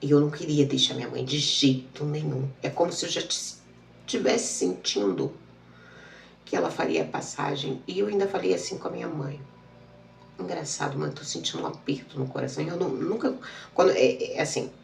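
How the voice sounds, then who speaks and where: A woman's voice: low voice, lively intonation, fairly quick, gravelly, echoey room, distant mic, a little hiss or hum. A woman, telling a personal story and acting out the dialogue. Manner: emotional, repetitive retelling with quoted dialogue. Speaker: channel host.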